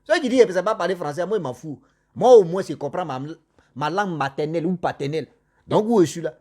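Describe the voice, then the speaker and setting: A man with a slightly higher than usual voice tells a cautionary story in a loose, conversational way. He repeats phrases for weight and turns often to address his listeners directly. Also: expressive, quick pace, darkish tone. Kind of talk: casual spoken storytelling.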